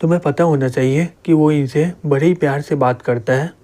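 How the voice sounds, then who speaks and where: A man's voice: a little high, fairly quick, dark tone, lightly acted. A man voicing a fierce young noblewoman who scolds others and defers to her teacher. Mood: scolding. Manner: scolding, commanding. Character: fierce young woman, loyal noble student.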